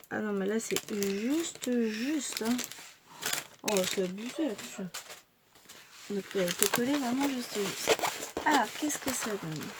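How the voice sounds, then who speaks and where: High-voiced woman crafting amid loud crinkling. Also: heavy background noise. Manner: chatty, wry asides, counting aloud. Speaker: craft vlogger. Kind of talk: casual chat while unboxing and crafting.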